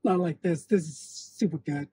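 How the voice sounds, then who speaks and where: Mellow man chatting over car noise. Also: a little high, moderate pace. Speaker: car owner riding along with the host. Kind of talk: casual chat. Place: inside a moving car. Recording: noisy car cabin, off-mic.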